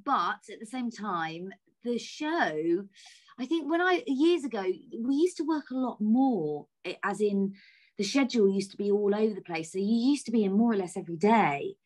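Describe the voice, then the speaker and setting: A woman's voice: medium pitch, lively intonation, moderate pace, darkish tone. Thoughtful woman on a call. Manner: thoughtful, hesitant. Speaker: soap actress. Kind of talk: casual interview chat. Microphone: laptop video call.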